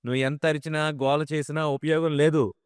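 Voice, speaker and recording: A man's voice: on the high side, level tone, brisk, clean tone, dry recording, clean studio sound, pitched above the performer's own voice, lightly acted. A man voicing a haughty young woman office worker in an audio drama, cold and dismissive.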